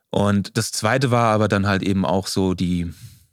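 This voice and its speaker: A man with fairly even intonation is heard on a very clean recording against a silent background. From Germany, Aschaffenburg (Lower Franconia). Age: 30s. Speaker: sustainable clothing entrepreneur, former handball pro. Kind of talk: casual interview. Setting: recorded in a basement storage room among textiles.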